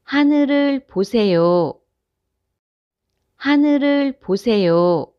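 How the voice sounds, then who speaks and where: A woman reading short example sentences aloud, slowly and evenly, for language learners. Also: fairly high pitch, animated, smooth, no echo, highs cut off. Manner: careful, evenly spaced phrase reading. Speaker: Korean phrase reader.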